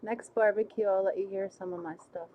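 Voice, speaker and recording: A woman with a small, squeaky voice hosting a casual livestream, chatting, laughing easily and reading viewer comments aloud. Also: steady tone, a little fast, warm tone, slight background noise. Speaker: livestream host. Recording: slightly muffled lo-fi stream audio.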